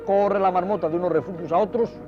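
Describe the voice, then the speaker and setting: In a high-sitting voice with fairly even intonation, a man quickly narrates a nature documentary over footage. He teaches viewers directly, in ornate, dramatic storytelling phrases. Behind him is music, and the audio is dull in the manner of old TV.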